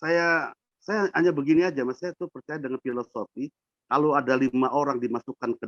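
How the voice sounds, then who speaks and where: Dry and close with no echo, a man's unremarkable speaking voice moves at a fairly quick pace with ordinary pitch variation. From Indonesia, Lampung (Tanjung Karang). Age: 60s. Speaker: poet. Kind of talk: interview.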